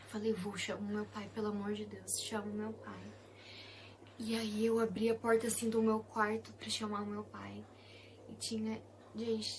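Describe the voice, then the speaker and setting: A young woman with a Brazilian accent recounts her faith testimony in a soft, close voice that keeps slipping into a near-whisper. Her voice sits a little high and stays fairly flat in tone. A faint hiss of background noise lies under her words. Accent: Brazilian Portuguese. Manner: soft and intimate, often dropping to a hushed whisper. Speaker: Christian testimony speaker. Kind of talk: personal testimony.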